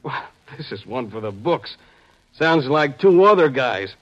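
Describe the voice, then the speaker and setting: A man's voice: medium pitch, big pitch swings, unhurried. A matter-of-fact deputy talks in a medium male voice. He is plainspoken, casual and inquisitive in 1950s radio drama fashion, and the old recording is dull and muffled. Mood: matter-of-fact, curious.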